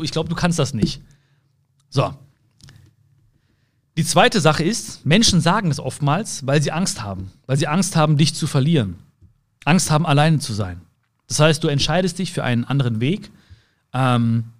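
Earnest man giving a motivational talk. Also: a little high. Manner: earnest, swings between soft slow words and quick asides; addresses the listener directly with repeated phrases. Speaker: motivational speaker. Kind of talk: motivational monologue.

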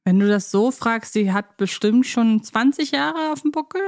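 A woman's voice: a little high, lively intonation, normal speed, a little mellow. A woman co-hosting a podcast, chatting casually and enthusiastically. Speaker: podcast co-host.

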